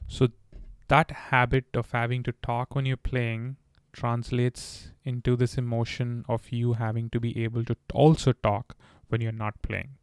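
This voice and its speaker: Gravelly, flat-voiced man giving earnest advice. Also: mid-range voice, a little slow, dry recording, clean studio sound. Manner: earnest, advice-giving, occasional stammers and restarts. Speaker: podcast host. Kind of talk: candid solo podcast talk.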